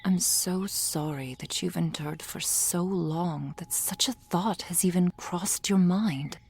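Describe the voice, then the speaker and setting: A woman playing a gentle, reassuring soul healer in an ASMR roleplay, speaking in a soft, formal whisper. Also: fairly low pitch, takes it slowly, creaky, husky, exaggerated voice. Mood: soothing whisper.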